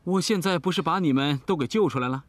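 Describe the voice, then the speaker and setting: An actor playing a patient but put-upon martial-arts master in a costume drama. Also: male voice, fairly high pitch, quick pace, crowd noise, natural voice. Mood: exasperated. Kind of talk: costume television drama acting. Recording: music under the dialogue.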